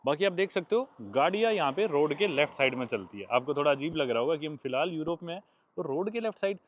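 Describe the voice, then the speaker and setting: A man's voice: on the high side, expressive, fast talker, slight background noise. A young man from India, chatting casually as a travel vlogger while walking outdoors and explaining what he sees. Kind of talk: casual travel vlog narration. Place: outdoors by a road in a small town.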